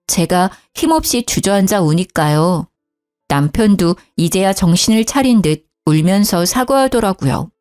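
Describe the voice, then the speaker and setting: A woman's voice: medium pitch, darkish tone. A woman in her thirties narrating a personal story in an emotional, confiding way.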